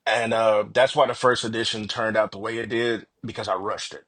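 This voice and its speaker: A man's voice: on the low side, fairly even intonation, brisk, a bit bright. A man speaking as an author guest in a casual interview, telling stories earnestly and self-deprecatingly and voicing his own thoughts. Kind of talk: casual, animated interview chat.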